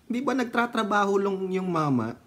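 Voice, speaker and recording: A Filipino man giving casual political commentary, chatty and teasing, laughing often and dropping from loud remarks to low asides. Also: big pitch swings, moderate pace. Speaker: political vlogger.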